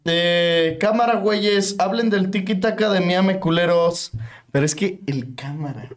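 A man's voice: high-pitched, unhurried. Slangy young Mexican man. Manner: slangy, swears freely, reads listener donations. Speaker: podcast co-host. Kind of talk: casual chat.

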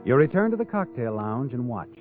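A man's voice: mid-range voice, very animated, brisk, close to an everyday voice. An actor playing a sly, all-knowing narrator who taunts a guilty man in a 1940s radio drama. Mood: sly, taunting. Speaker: narrator and host. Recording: muffled old radio broadcast with music.

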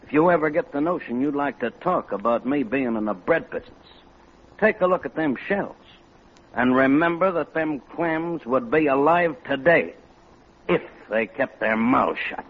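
An actor playing a tough, curt black-market racketeer in a 1940s radio comedy, gruff, slangy and intimidating. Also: male voice, mid-range voice, expressive, normal speed, lightly acted. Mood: menacing, smug. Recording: dull, noisy old radio recording.

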